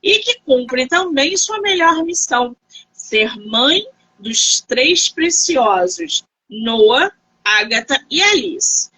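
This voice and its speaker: A woman hosting an interview, asking questions in a warm, encouraging manner. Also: high-pitched, very animated, slow pace, rough recording. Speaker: interview host. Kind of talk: casual interview over a live stream.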